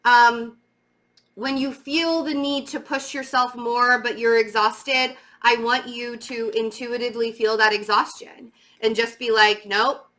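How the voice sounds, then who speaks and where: Middle-aged woman, sharp bright voice, slight stammer, casual tarot reader, emphatic halting delivery. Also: fairly high pitch. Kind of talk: casual spiritual tarot reading to viewers.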